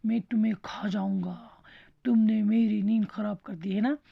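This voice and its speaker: A woman's voice: medium pitch, steady tone, normal speed, creaky, breathy edge. A woman voicing a proud male lion, king of the jungle, who threatens a mouse after it wakes him, in a storybook reading for children, on a dull lo-fi recording. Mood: threatening. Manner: threatening, scolding.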